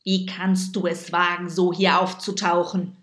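A woman's voice: lowish voice, little pitch movement, a little slow, fairly bright tone. A woman reading a storybook aloud, voicing a small grey male tyrant who bellows in rage. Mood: raging. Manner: bellowing, raging. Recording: echoey room.

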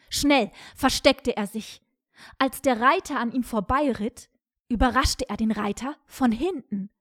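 A woman reading a storybook tale aloud in an even, measured way. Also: a little high, dry recording, clean studio sound. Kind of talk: scripted story narration.

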